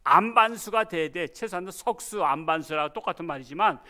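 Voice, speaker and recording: Male pastor, bright and high, lively sermon storyteller who quizzes the congregation. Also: a little fast. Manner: animated storytelling, rhetorical questions. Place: church.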